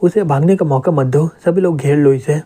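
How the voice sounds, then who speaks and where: A man's voice: on the high side, normal speed, mellow, close to an everyday voice. A man voicing an angry, hot-headed male villager in a comic recap.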